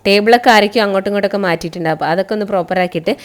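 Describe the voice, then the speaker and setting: A woman's voice: medium pitch, rapid-fire. A woman with a Kerala accent narrating a casual, chatty vlog, mixing English words into her Malayalam. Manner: chatty, addresses viewers with frequent tag words. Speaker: college teacher and vlogger.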